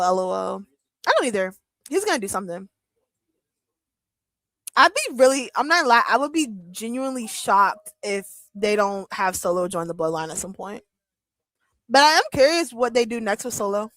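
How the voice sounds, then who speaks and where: During a live wrestling watch-along, a woman in her thirties casually reads comments and jokes with her chat, laughing often and using lots of fillers. Her medium-pitched, fairly bright voice is very animated at a normal speed with frequent pauses, and the recording is dry and rough.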